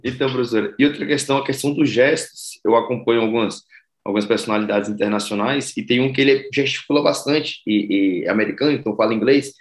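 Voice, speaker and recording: A man's voice: mid-range voice, fast talker. Chatty student man in a roomy echo. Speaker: university student. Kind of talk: class discussion. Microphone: video call.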